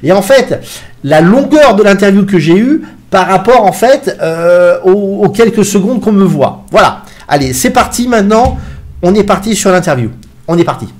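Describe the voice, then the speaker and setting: Man, casual vlog chat, rambling, lots of fillers, slightly high voice. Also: animated, normal speed. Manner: rambling, many fillers and restarts. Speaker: YouTuber recounting a TV interview.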